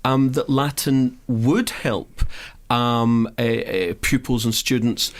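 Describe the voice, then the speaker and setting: A man's voice: medium pitch, steady tone, slow pace. A man with a Scottish accent, a studio guest on a radio show, talking casually and hesitantly with many fillers and restarts. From Scotland. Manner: hesitant, many ums and repeated starts.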